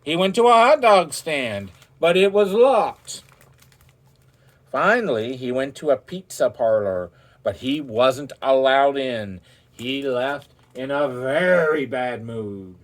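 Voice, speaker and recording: A man gives a lively, theatrical reading of a children's story, taking his time and elongating words for emphasis. His voice sits at medium pitch, and he speaks directly to his listeners.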